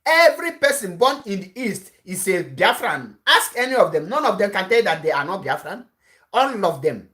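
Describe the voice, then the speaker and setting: A man's voice: sits high, sharp tone. A man with a Nigerian accent whose first language is Igbo, giving an impassioned online address as an activist broadcaster, repeating his warnings and restarting his sentences often. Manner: insistent, repetitive warnings, frequent restarts.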